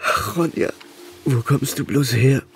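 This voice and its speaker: An actor playing a troubled ex-legionnaire in a radio play, telling his story in short, halting fragments. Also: mid-range voice, gravelly, soft background music. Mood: tender, confiding. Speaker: actor in an audio drama. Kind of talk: naturalistic German radio play acting.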